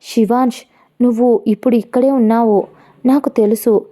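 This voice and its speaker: A woman's voice: fairly high pitch, steady tone, normal speed, dark tone, natural voice. A woman voicing a fearful but defiant young wife in a storybook reading, speaking with emotion. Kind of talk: storytelling narration.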